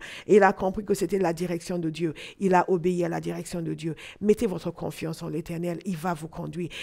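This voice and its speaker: In a very clean recording with a silent background, a woman with a fairly low pitch, dark, mellow tone and vocal fry talks at a fairly quick pace with big swings in loudness. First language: English (speaking French). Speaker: pastor. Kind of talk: sermon. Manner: animated.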